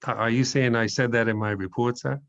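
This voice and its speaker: A man answering questions as a witness at an inquiry, quiet and cautious, giving brief answers. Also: medium pitch, fairly even intonation, brisk, vocal fry, lo-fi sound. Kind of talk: answering questions under oath.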